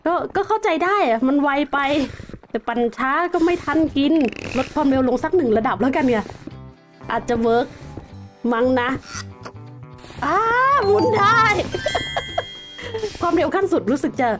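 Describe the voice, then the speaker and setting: High, lively woman commenting on gameplay. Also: moderate pace, long pauses, music in the background. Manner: chatty, exclaims often, calls herself by name. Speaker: gaming channel host.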